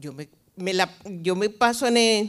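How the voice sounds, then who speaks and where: The voice has a Spanish accent over a quiet background. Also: woman. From Venezuela. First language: Spanish (speaking Portuguese). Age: 60s. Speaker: university professor, immigrant; university professor. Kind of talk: public hearing testimony. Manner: halting, many hesitations. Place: hall. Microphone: handheld.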